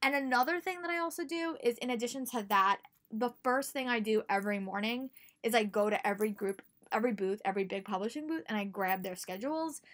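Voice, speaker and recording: A woman's voice: on the high side, quick pace, fairly bright tone. A young American woman giving casual, chatty advice to camera in a small room at home, speaking emphatically and repeating words for stress. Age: young adult. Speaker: book vlogger.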